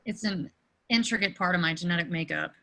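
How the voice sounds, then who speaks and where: Woman as teenage boy, bright edgy tone, hapless, self-deprecating, excitable, amateur table read. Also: fairly low pitch, a little fast, vocal fry. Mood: self-deprecating, awkward. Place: remote video call.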